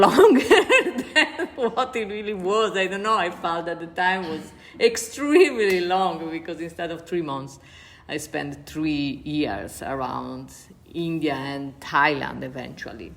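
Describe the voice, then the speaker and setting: Someone with an Italian accent talks at a fairly slow pace, with big swings in loudness. There is noticeable background noise and audible room echo. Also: woman. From Italy. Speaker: kundalini yoga teacher. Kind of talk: interview storytelling. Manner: halting, with fillers.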